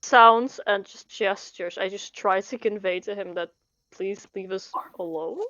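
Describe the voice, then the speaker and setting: A woman's voice: mid-range voice, a little slow, fairly bright tone, no room sound. A woman chatting casually as a player in a tabletop roleplaying game, on a lo-fi recording. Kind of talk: casual chat. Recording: slightly dull, lo-fi sound.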